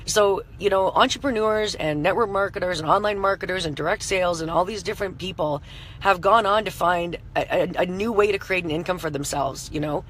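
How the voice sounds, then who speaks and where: A woman in her thirties with a hoarse, scratchy voice, giving a chatty motivational talk on a live stream and greeting viewers by name. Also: on the low side, fairly quick, a bit bright. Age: 30s. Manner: chatty, full of "you know" fillers, greets viewers by name. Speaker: entrepreneur hosting a live stream.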